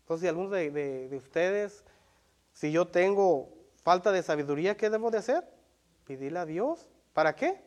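A man preaching a sermon in Spanish, earnest and repetitive, often checking in with listeners and reading Bible verses aloud slowly. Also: high voice, animated. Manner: earnest, repeats himself, asks the congregation "¿verdad?". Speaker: lay preacher.

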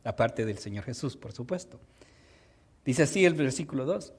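A man's voice: medium pitch, moderate pace, breathy edge. A man preaching a sermon, joking with the congregation and often asking for agreement. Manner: animated, jokes with the congregation, tag questions.

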